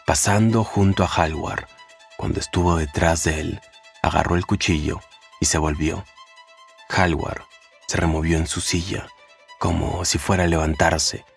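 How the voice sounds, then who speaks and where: A man narrates a summary of a classic novel in a measured, deliberate storytelling voice. His voice sits very low and deep. Soft music plays faintly underneath. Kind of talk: scripted narration of a book summary.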